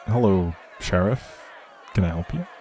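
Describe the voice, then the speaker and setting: A man playing an outlawed prince, a gentle, protective leader, in earnest dramatic roleplay audio with old-fashioned, measured phrasing and a husky, breathy voice. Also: low voice, lively intonation, a faint crowd, a little hiss or hum. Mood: feigned innocence.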